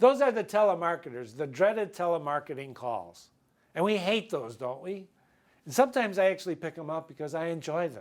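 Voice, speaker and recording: With a Chicago accent, a man talks in an animated tone at a high pitch and a fairly quick pace. His pitch swings very widely, and his loudness swings a lot too. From Chicago, US Midwest. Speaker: business communications presenter. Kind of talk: lecture.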